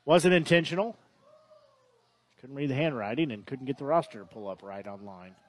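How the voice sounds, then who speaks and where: With a medium-pitched voice at an ordinary pace, a man delivers conversational baseball commentary, calling the action play by play and frequently correcting himself.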